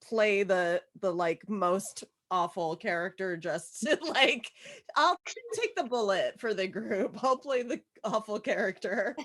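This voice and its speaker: A woman chatting casually in an excitable, slangy way, swearing freely, on a group call. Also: medium pitch, slow pace. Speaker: participant in a virtual table read group. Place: remote online video call.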